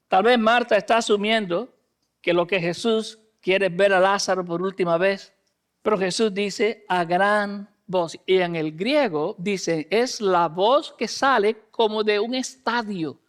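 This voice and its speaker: A pastor delivers a dramatic sermon in a strikingly high, smooth and resonant voice. He swings between loud emphasis and hushed lines and acts out the voices of the people in the scripture. He drops English fillers into his speech now and then. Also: measured pace.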